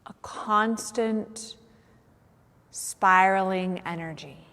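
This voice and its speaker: Woman, meditation teacher, soothing, very slow pace, long pauses, mid-pitched voice, long reverberant echo. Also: a bit bright. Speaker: yoga nidra meditation teacher. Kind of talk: guided meditation.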